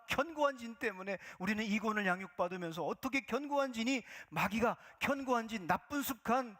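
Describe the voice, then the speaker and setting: A male pastor gives a Sunday sermon in a church sanctuary. His voice sits high and rings bright as he preaches emphatically. He falls to hushed whispers when quoting.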